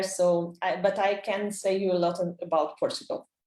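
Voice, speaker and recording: A woman with a Russian accent speaks at medium pitch and a very slow pace. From Russia, Moscow. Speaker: real estate executive. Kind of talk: interview. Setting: live online session. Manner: halting, many fillers.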